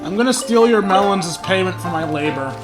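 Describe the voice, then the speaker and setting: A man's voice: high voice, animated, a little fast, rough recording. A man giving casual, rambling playthrough commentary with joking asides. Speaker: gaming YouTuber commentating his play. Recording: game music behind the voice. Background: video game music.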